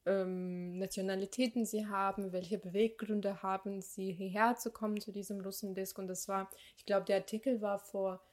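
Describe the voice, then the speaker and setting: A woman's voice: medium pitch, little pitch movement, normal speed, hardly any pauses, darkish tone. A young adult woman co-hosting a casual podcast conversation, thoughtful and reflective, with frequent fillers and restarts. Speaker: podcast co-host.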